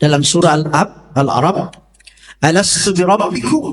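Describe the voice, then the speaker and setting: The man's pitch varies in an ordinary way. His delivery is fairly slow. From Sulawesi, Indonesia. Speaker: Islamic preacher. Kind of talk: sermon.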